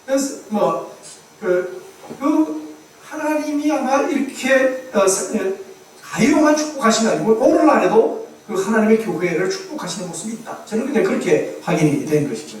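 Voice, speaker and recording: High-voiced preacher echoing in a hall. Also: male voice, normal speed. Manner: animated storytelling that acts out quoted voices. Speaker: missionary preacher. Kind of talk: sermon. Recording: echoey hall heard from far off, faint background noise.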